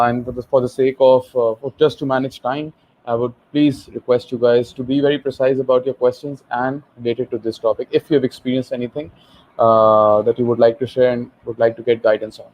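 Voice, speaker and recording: A man with a Pakistani accent and a medium-pitched, darkish voice hosts an informal online session over an internet call, and the audio quality is poor. An HR professional, he explains things with some repetition and rephrasing.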